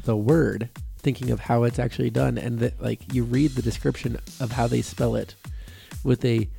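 A man's voice: medium pitch, steady tone, normal speed, vocal fry, warm tone, soft background music. A man co-hosting a casual podcast chat, explaining things in a bookish way. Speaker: podcast co-host.

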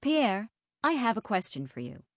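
An actress playing a friendly interviewer in a scripted English lesson dialogue, clearly enunciated. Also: female voice, medium pitch, very animated, moderate pace, dry recording. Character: cheerful female interviewer Cathy.

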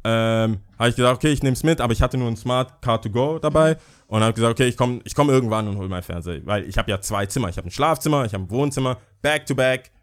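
A man's voice: mid-range voice, fast. A young man, native Twi speaker from Ghana with a slight Ghanaian accent, telling a story in a casual chat, acting out the voices of others and laughing often.

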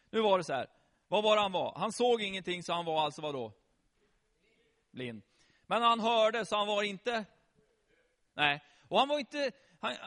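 A middle-aged man telling a Bible story to children in a lively way, often quizzing them with questions. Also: high-pitched. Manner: animated, asks the children questions. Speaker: children's preacher.

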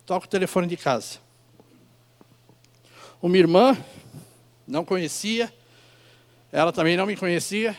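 A man's voice: high voice, moderate pace, long pauses. A man in his fifties preaching as a pastor, telling personal stories informally and speaking directly to his listeners with rhetorical questions. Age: 50s. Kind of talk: informal sermon with personal storytelling.

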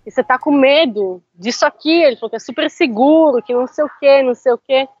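A woman telling a story in casual chat, animated and often laughing. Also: sits high, fast, lo-fi sound. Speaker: interview guest.

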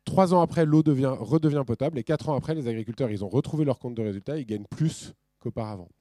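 A middle-aged man from France giving a talk with slides, casual and animated, with ironic asides and many restarts. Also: mid-range voice, quick pace, no echo. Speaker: speaker at a business talk.

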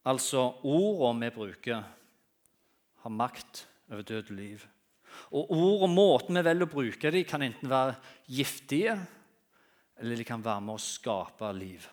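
Male guest preacher, animated storyteller, mid-pitched, loud then soft. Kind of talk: sermon with humorous anecdotes.

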